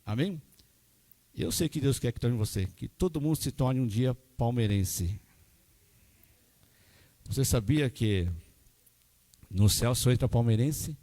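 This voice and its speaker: A man's voice: medium pitch, animated, unhurried, pauses often, mellow. A man, preaching a sermon in a folksy way that keeps checking in with the congregation. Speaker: pastor.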